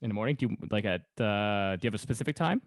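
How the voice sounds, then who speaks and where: A man with a slightly low voice hosts a casual podcast interview. He talks quickly and chattily. The sound is dry, without room echo. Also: expressive. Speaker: podcast host.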